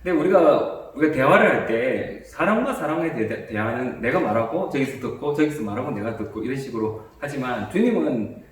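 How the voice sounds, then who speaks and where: A man, a priest, calmly explaining a bible commentary and how to meditate with it, with small restarts. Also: medium pitch, fairly quick, very echoey, recorded from a distance.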